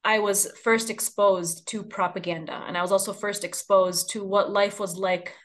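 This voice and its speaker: A woman's voice: mid-range voice, steady tone, normal speed, a bit bright. A woman in her thirties from the United States, a journalist giving a long, earnest interview answer over a video call from a room at home. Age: 30s. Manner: earnest, fluent, impassioned. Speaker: guest, journalist.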